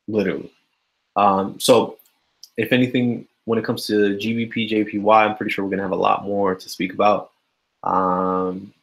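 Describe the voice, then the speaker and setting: A man's voice: lowish voice, rough recording. A man giving a casual live-stream forex chart analysis, sleepy and yawning, talking loosely with many fillers. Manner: casual, filler-heavy, addresses viewers as guys. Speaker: forex trading educator.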